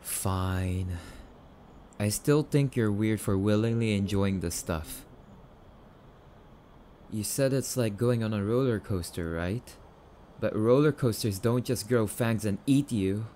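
A man's voice: lowish voice, takes it slowly, long pauses, warm tone, slight background noise. A man playing a grumpy, affectionate, easily spooked young catboy boyfriend in an ASMR roleplay, defensive and prone to stammering. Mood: teasing, reluctant.

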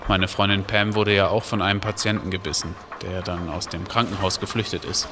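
Ein Mann spielt in einem deutschen Hörspiel einen sachlichen, nüchternen Kriminalbeamten. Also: male voice, deep voice, little pitch movement, fairly quick, close to an everyday voice. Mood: sober. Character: sober male police detective at a crime scene. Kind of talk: German audio drama acting.

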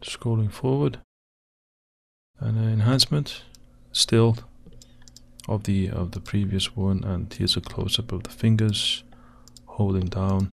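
Slow, croaky-voiced man narrating footage. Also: lowish voice, fairly even intonation. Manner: hesitant, pausing often with fillers. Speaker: video host analysing footage. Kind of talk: slow screen-recorded commentary.

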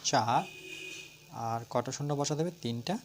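A man with a Bengali accent teaching a primary-school math lesson. He asks questions and answers them himself, counts slowly aloud and spells words out letter by letter. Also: medium pitch, slight background noise. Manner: talks through steps, asking and answering his own questions.

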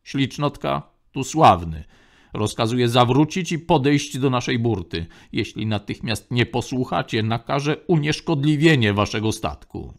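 A stern navy lieutenant, which a man voices in a spoken space saga. He barks his orders, firm and pressed. A gravelly edge runs under his raised voice. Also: medium pitch, expressive, moderate pace, natural voice. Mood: commanding. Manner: barking orders. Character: stern male navy lieutenant, harried and commanding.

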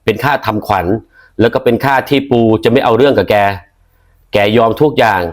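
Calm male storyteller. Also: mid-range voice, fairly quick. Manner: calm, moralizing, polite sign-off. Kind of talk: spoken storytelling narration.

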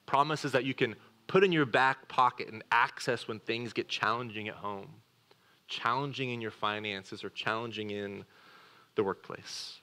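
Earnest male pastor preaching a sermon. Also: medium pitch. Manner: earnest, shifts from quick asides to slow, quiet emphasis. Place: church sanctuary.

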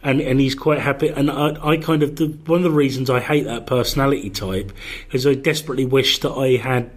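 A man's voice: mid-range voice, fairly even intonation, brisk. Hesitant man podcasting. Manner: hesitant, trails off with ums and restarts. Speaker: podcast co-host. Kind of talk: casual chat. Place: big echoey box used as studio. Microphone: close at the table.

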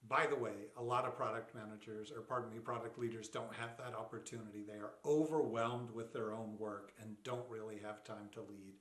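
A man coaching product leaders in a short explainer, measured and plain-spoken, slowing down to stress his points. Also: lowish voice, fairly even intonation, fairly bright tone. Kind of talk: short explainer talk to camera. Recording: roomy echo.

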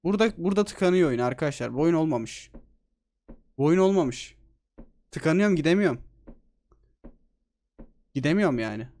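Excitable, foul-mouthed male gamer. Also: fairly high pitch, fairly quick, pauses often. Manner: excitable, swears a lot, jokey. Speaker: gaming streamer. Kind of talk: let's play commentary.

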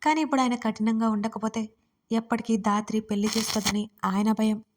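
A woman storyteller narrating a romance audio story in a steady, expressive reading voice. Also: a little high, brisk, noisy background.

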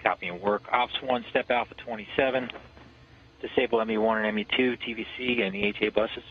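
A low-voiced man reads out launch steps over a muffled radio comms loop, husky and a little dull in tone. He is brisk and procedural, with the odd hesitation between calls. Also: fairly even intonation. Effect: radio communications loop. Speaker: launch conductor. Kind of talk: clipped countdown radio calls.

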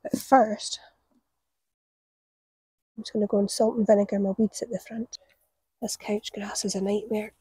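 Out on her allotment, a woman in her forties who runs a gardening vlog talks to a camera resting on the ground a few metres off, spinning chatty tales and laughing at them while she works. Her mid-range voice is mellow, slightly rough and level, at a moderate pace with long pauses. The recording is dry and the audio poor.

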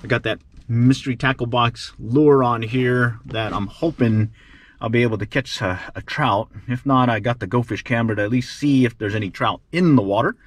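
Out on a park pond pier, a man narrates his fishing outing for his vlog, laughing now and then as he goes over his gear and what he's caught. He speaks at a normal speed in a mid-range voice, recorded on an action camera.

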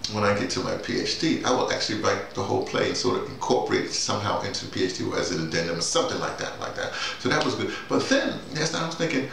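A man in his sixties talking casually and haltingly to camera, repeating words and wandering off on asides. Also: lowish voice, vocal fry, a bit bright. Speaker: playwright and audio drama teacher. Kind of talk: casual rambling monologue to camera. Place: small bare-walled room indoors. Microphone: camera mic a few feet away. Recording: very echoey room, distant mic, faint hiss.

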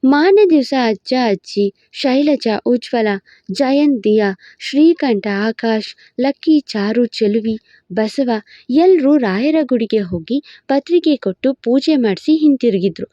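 Warm-voiced woman reading a storybook. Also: a little high, lively intonation, slow, dry recording, muffled recording. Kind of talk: scripted storybook narration.

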